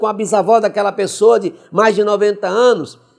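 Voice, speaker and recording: This man's voice sits high in pitch, with monotone, flat intonation. He moves at a moderate pace. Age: 60s. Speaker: Bible teacher. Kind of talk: Sunday school lesson commentary.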